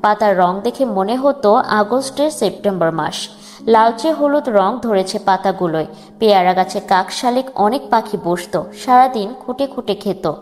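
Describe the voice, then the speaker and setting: A woman narrating a first-person wartime memoir in a grave, measured way. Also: mid-range voice, lively intonation. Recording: long reverb with soft music beneath.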